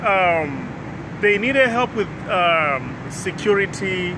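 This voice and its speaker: A man's voice: high voice, big pitch swings, slow, background noise. A man in his thirties from Uganda, a guest in a casual interview, who speaks hesitantly with many ums and restarts. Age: 30s.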